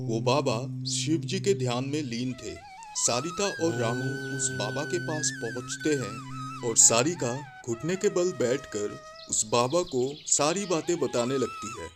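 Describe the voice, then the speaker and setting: A man's voice: fairly high pitch, huge pitch swings, measured pace, over loud music. A man narrating a scripted children's story in a dramatic storytelling manner.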